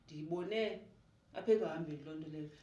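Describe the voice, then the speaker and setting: Lively low-voiced South African woman. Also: fairly quick. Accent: South African, Xhosa-speaking. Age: 40s. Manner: animated, mixes Xhosa and English. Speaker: podcast guest. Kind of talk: casual conversational interview. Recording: echoey room, mic at a distance.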